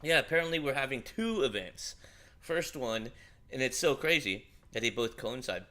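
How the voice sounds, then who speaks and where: A man's voice: medium pitch, very animated, normal speed, sharp tone. A man hosting a livestream in a casual, chatty, informal way. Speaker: livestream host.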